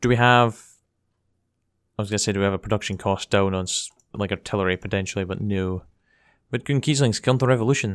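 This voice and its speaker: A man with a Scottish accent talks very fast in a fairly low pitch with ordinary pitch variation, yet with long, frequent pauses. The recording is very clean, the background silent. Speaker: gaming YouTuber. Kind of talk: reading aloud; casual gameplay commentary.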